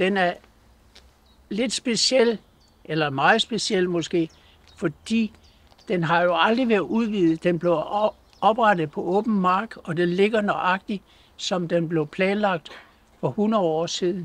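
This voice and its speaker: A man with a high-pitched voice talks at a very slow pace, leaving long, frequent pauses. The sound is dry, with no echo. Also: ordinary pitch variation. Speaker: church committee vice-chair. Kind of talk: guided tour talk. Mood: cheerful, relaxed. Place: street.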